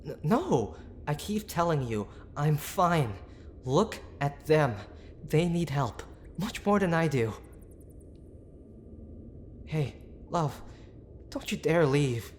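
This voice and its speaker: A man playing a gruff but tender tsundere boyfriend in an intimate audio roleplay, speaking in a halting, earnest way. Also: fairly high pitch, expressive, a little hiss or hum, pitched above the performer's own voice. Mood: desperate, panicked. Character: gruff young tsundere boyfriend, worried, stubborn, tender underneath.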